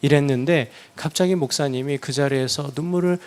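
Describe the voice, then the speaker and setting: A man preaching a sermon as a pastor, telling a story and softly acting out the prayers he quotes. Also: fairly high pitch, brisk.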